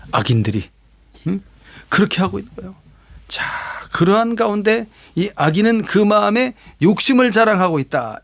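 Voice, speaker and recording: High-pitched gravelly Korean pastor. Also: male voice, no room sound. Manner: explains verses line by line, with rhetorical questions and "음?" prompts. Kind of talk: sermon.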